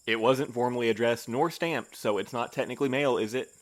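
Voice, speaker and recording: A man's voice: mid-range voice, fairly quick, natural voice. A man playing a prim, reserved, rule-minded boss in an audio drama, speaking formally and with pedantic precision.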